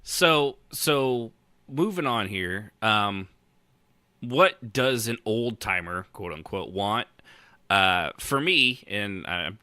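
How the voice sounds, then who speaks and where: A middle-aged man hosting a casual podcast with a very bright, forward voice. His pitch moves around in a lively way and he rambles, breaking off and restarting as he thinks aloud. The sound is dry and close. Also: takes it slowly, smooth, dry recording. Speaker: podcast host. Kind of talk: casual conversational podcast chat.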